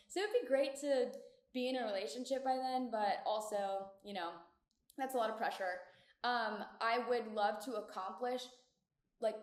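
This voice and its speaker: A woman in her twenties hosting a casual solo podcast, talking in an upbeat, chatty way with lots of filler words, recorded in an echoey community room. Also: on the high side. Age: 20s. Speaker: podcast host. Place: echoey shared community room in an apartment building.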